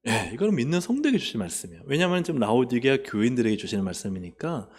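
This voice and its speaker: Lively Korean pastor preaching a sermon. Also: male voice, rapid-fire, slightly rough. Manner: animated, asks the congregation questions and answers them himself; swings from loud urging to soft, low asides. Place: church sanctuary.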